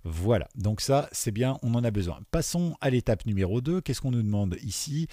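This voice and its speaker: A man teaching beginners to code, explaining each step and often checking in with his listeners, with many fillers and dropping quieter while he types. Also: mid-range voice, animated, normal speed, no echo, studio quality. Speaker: programming teacher. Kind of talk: screen-recorded coding tutorial. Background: keyboard typing.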